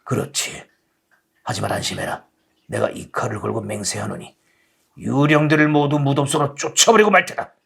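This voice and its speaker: A man's voice: medium pitch, moderate pace, vocal fry, fairly bright tone, a little hiss or hum, pitched below the performer's own voice. A man voicing a gallant, deluded old knight with a solemn, declamatory manner in a storybook tale. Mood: grave, resolute.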